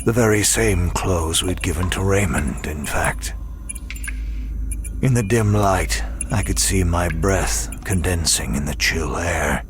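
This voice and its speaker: An actor playing a weary, wry imprisoned demon in an audio drama, speaking in a measured, dryly sardonic way. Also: male voice, low-pitched, music in the background. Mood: brooding, weary. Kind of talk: first-person audio drama narration and dialogue.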